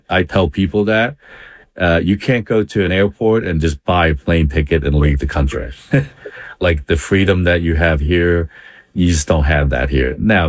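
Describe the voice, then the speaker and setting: A man from Vietnam with a very low voice tells his story as an interview guest. He talks in a loose, chatty way and leans on lots of fillers. The recording is dry, with almost no room sound. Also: no room sound. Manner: conversational, many fillers, chuckles now and then. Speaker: interview guest, business owner.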